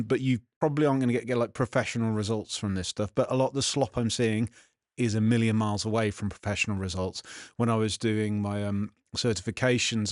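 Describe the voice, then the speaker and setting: A man's voice: on the low side, no room sound, studio quality. A man with a Black Country accent and a slightly nasal voice, chatting casually and sardonically as a vlog host. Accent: Black Country English. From England, West Midlands. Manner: sardonic, irritated grumbling. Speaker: vlog host, software developer.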